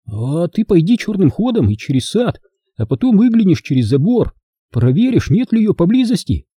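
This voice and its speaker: A man voicing a nervous young boy who talks in an anxious hush. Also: sits high, very animated, normal speed, slightly rough, dry recording, voice pushed up, exaggerated voice. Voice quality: hushed, anxious.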